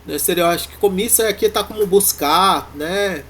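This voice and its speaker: A man with a Brazilian Portuguese accent, teaching a university Greek class in a halting way, full of fillers and restarts. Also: high voice, a bit bright, slight background noise. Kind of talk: classroom lecture.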